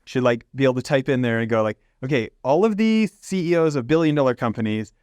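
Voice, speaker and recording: A man hosting an interview show, reacting with excitement and asking casual follow-up questions. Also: medium pitch, fast, clean tone, no echo, clean studio sound. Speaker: podcast host.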